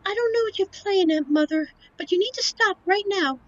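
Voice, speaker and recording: A woman's voice: very high-pitched, brisk. A woman playing a sweet but defiant young succubus daughter in a scripted audio roleplay, earnest and pleading, on a muffled recording. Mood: defensive, alarmed.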